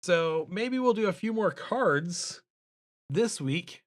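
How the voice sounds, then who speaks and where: Slow, mumbly man streaming casually. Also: lively intonation. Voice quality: deep voice. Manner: mumbly, self-deprecating, thinking aloud. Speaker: livestreaming illustrator and host. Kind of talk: casual livestream chat while drawing. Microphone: streaming microphone.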